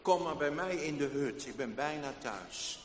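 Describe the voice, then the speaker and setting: A man voicing a kindly old man who lives in a forest hut, speaking gently and coaxingly in a storybook reading. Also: fairly high pitch, expressive, moderate pace, pitched below the performer's own voice, close to an everyday voice. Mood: gentle. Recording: reverberant room with faint noise.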